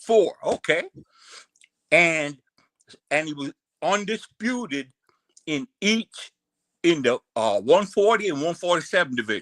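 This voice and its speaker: Lively intonation carries a fairly slow delivery with long, frequent pauses. The sound is dry and close, with no echo. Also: man, high pitch for a man. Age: 70s. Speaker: boxing fan caller. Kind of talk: casual chat. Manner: halting.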